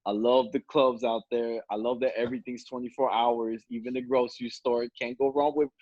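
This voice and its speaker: A man's voice: mid-range voice, little pitch movement, a little fast, darkish tone, dry recording, lo-fi sound. A man in his twenties on a video call, telling stories with frequent laughs. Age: 20s. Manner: storytelling, laughs often. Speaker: podcast host. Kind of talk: casual chat on a video call. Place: indoor room at home. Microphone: video call webcam.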